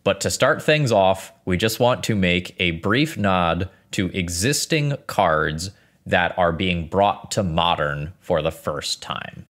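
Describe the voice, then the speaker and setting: A male podcast co-host with a very low voice that swings widely in pitch. He reads ads and lists items in a brisk, animated way. He sounds casual and practiced.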